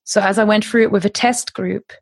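Woman, 30s, German native speaker, lively podcast guest, dry sound. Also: medium pitch, brisk, dry recording. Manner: chatty, laughs often, restarts phrases. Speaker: guest, language course creator. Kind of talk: conversational podcast interview.

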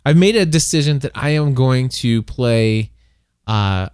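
A man's voice: medium pitch, animated, unhurried, darkish tone, smooth, dry recording, studio quality. An American man of forty-one chatting casually as a podcast co-host, with a bantering, self-deprecating manner. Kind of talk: casual chat.

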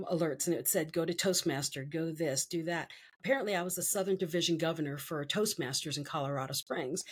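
A woman's voice: on the low side, husky. A middle-aged woman telling her personal story as a guest in an interview, emotional and vivid, acting out what others said. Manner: emotional, storytelling with quoted voices.

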